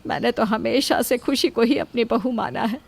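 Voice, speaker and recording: A woman's voice: fairly high pitch, animated, moderate pace, gravelly, dry recording. A woman voicing characters in an audio story, speaking in a lamenting, scolding way. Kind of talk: dramatic storytelling dialogue.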